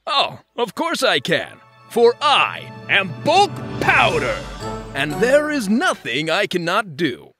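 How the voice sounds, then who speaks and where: Casting: boastful cartoon superhero, self-adoring and theatrical; high for a man, slow, grandiose delivery. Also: wildly swooping pitch, bright, forceful tone, soft background music, heavily acted. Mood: grandly boastful. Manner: bombastic, theatrical, grandiose declaiming. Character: vain, boastful male superhero who adores his mirror. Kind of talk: comedy cartoon voice acting.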